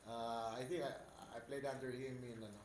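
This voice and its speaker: An older Filipino man, a basketball head coach, gives halting postgame press conference answers full of fillers, switching between English and Tagalog. His mid-range voice stays steady as he speaks into a table mic on a stand in an echoey press room with a sponsor backdrop and clear noise behind him.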